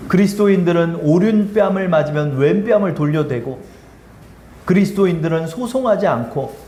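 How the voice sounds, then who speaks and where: A male pastor delivers a sermon in a high, lively voice that swings widely in pitch. He asks his own questions and answers them, and he slips into casual speech to act out quotes. The sound is roomy and echoey, with a faint hiss of noise behind it. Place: church sanctuary.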